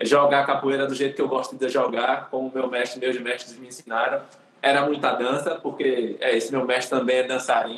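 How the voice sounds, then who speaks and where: Fairly quick male speech, fairly high in pitch, against noticeable background noise. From Recife, Pernambuco, Brazil. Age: 30s. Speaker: dancer and capoeira teacher. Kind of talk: casual chat.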